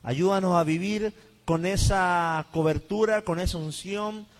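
A pastor preaching fervently to his congregation and livestream, reading scripture and praying, his voice swinging between highs and lows. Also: measured pace, in a large hall. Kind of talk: livestreamed sermon with Bible reading and prayer.

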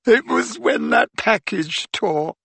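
A man voicing a distraught teenage girl who is sobbing, in a breathy, quavering high voice. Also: slow pace, bright, forceful tone, dry recording, exaggerated voice. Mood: sobbing, shaken. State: crying.

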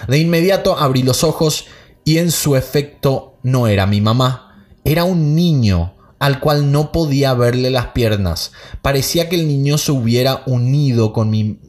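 A man hosting a podcast, reading listener stories aloud and then chatting casually about them. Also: medium pitch. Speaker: podcast host.

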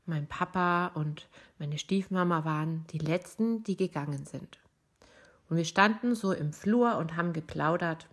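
A middle-aged woman with a raspy, rough-edged voice, hoarse from bronchitis, telling a personal story as a podcast host. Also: on the low side, unhurried.

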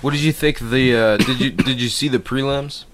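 A man's voice: mid-range voice, a little fast, a bit bright, slight background noise. A man co-hosting a podcast in casual, teasing chat. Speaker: podcast co-host.

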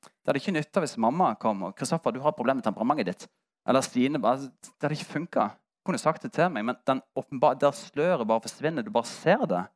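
A man's voice: medium pitch, animated. A man, a pastor preaching a sermon and telling a personal story with candid, self-mocking humor. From Norway.

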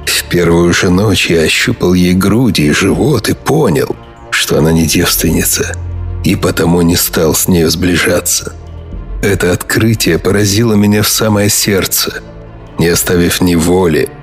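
An actor playing an aging king who is aggrieved and complains in a brooding way, in a dramatized history podcast. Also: low-pitched. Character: aging, aggrieved English king, middle-aged man.

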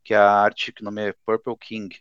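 A man's voice: fairly low pitch, completely flat delivery, brisk, clean tone, dry recording. Laid-back young man, dry lo-fi sound. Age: 20s. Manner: laid-back, says "cara" often. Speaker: guest artist. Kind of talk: casual podcast chat.

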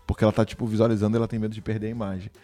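Brief: man, low-pitched, casual slangy host, dry close sound. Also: racing, dry recording. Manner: relaxed, slangy, laughs often. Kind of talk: casual chat.

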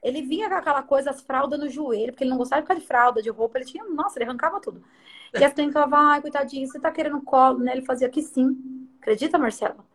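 A woman's voice: high-pitched, rapid-fire. A middle-aged woman who owns a salon, chatting as an interview guest and animatedly acting out the lines of the people in her stories. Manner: animated storyteller who acts out others' lines. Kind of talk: casual storytelling chat.

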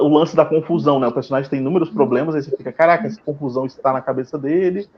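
A man chatting informally about a film, acting out his own reactions as he goes. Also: a little high. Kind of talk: casual film discussion. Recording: dull lo-fi audio with background noise.

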